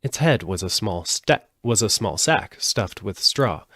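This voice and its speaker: A man's voice: fairly low pitch, expressive, measured pace, pushed and bright, no echo, clean studio sound. A man narrating a storybook aloud as a live audiobook reader.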